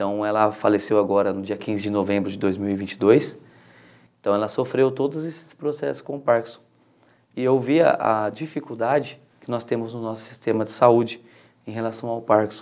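This man's pitch is medium and shows ordinary variation. His pace is moderate. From Barueri, São Paulo state, Brazil; São Paulo, Brazil. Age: 30s. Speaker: city councillor. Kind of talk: studio interview. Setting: studio. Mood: earnest, personal. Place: studio. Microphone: lapel.

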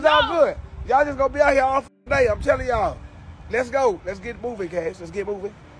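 A man at a very fast pace, big swings in loudness, noticeable background noise behind him. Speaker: fitness instructor. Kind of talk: live group fitness class coaching. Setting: gym with a group. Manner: loud, fast, bossy, barking commands; joking, profane, animated.

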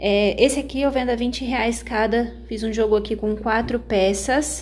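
In a fairly high pitch, this woman talks at a very slow pace. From Brazil. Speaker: crochet YouTuber. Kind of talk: casual show-and-tell vlog. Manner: animated. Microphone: phone near.

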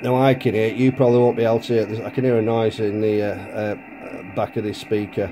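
A man talks with fairly even intonation. Light background noise is present. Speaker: amateur radio operator. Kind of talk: casual demonstration commentary.

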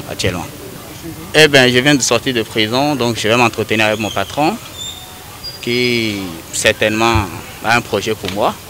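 Over noticeable background noise, a man talks at a moderate pace with fairly even intonation, the sound dry with no echo. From Benin. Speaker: journalist. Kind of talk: interview statement. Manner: halting. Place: street. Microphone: handheld.

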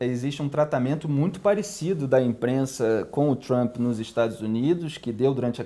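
A man's voice, dark and mellow in tone, moves along at a moderate pace. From Rio de Janeiro, Brazil. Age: 30s. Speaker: political journalist and commentator. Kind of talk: interview answer. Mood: calm, analytical. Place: studio.

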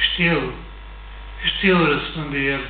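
A man at a very slow pace with monotone, flat intonation, plus light background noise and audible room echo. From Romania. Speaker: stage actor. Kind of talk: public talk, storytelling. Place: hall. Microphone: camera far.

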